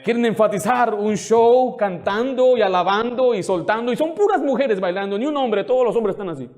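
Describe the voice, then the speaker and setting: Male pastor with a high voice preaching a fiery sermon, scolding and full of rhetorical questions. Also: lively intonation, brisk, darkish tone. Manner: indignant, scolding.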